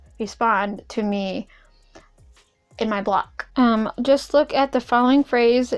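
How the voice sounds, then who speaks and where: Over music in the background, a woman with a fairly high pitch talks at a fairly slow pace with fairly even intonation. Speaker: YouTuber who stutters. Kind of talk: casual talk to camera.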